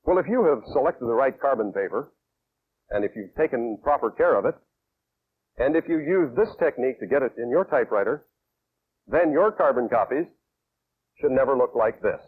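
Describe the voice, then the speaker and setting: A man's voice: medium pitch, lively intonation, moderate pace, pauses often, slightly rough, phone-quality sound. An American man with a mid-range voice comes through a thin, band-limited old film soundtrack from the 1960s. He works as an instructor, laying out a demonstration step by step. His delivery is methodical and explanatory, addressed straight to the viewer. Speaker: instructor and presenter of a training film.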